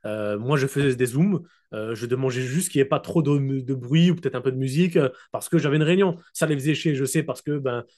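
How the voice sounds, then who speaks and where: A man coaching his network marketing team in a casual, direct motivational talk. He keeps checking that listeners follow him and slows down to dictate key points, speaking into a computer mic on a video call. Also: mid-range voice, a little mellow.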